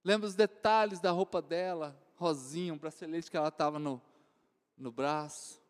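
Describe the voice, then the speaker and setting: A man in his forties with a Brazilian accent preaching a sermon, swinging from loud exclamations to soft joking asides. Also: on the high side, fairly even intonation, moderate pace. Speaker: pastor. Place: church hall. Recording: reverberant church hall.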